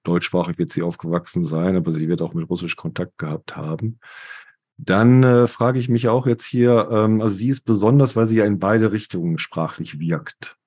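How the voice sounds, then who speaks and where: Guy with a deep mellow voice, talks slow and measured, lots of uhs. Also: fairly even intonation, slightly rough. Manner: slow, measured, with many fillers. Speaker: podcast co-host. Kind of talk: casual podcast discussion.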